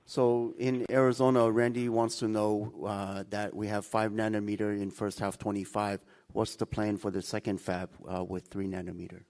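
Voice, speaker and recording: Orderly low-voiced male call moderator. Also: little pitch movement, moderate pace, hardly any pauses, a little mellow. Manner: orderly, courteous. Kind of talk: formal moderation, restating questions.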